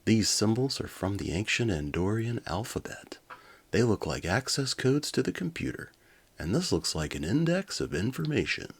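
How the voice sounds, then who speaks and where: A man voicing an excitable, heroic scientist in a hammy, dramatic storybook reading. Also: on the low side, normal speed, vocal fry, husky, voice pushed up, full character voice. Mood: excited, eager. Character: earnest heroic male scientist, Doctor Fury, excitable.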